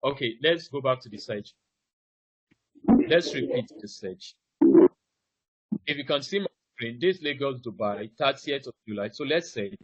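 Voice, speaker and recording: Over a video call, a man teaches a live ticketing class, guiding listeners step by step, leaning on the word "now," and testing them with questions. He speaks a little slowly and expressively at medium pitch, pausing often, with a slightly bright, breathy voice; the recording is dry and dull.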